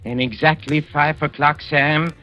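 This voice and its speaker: A man's voice: a little high, fairly even intonation, a little slow, lightly acted. A man playing a stammering murderous manager. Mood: scheming. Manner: stammering, pleading, then gloating and menacing. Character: scheming male boxing manager plotting murder. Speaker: boxing manager. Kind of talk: 1940s radio acting. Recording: dull old radio recording.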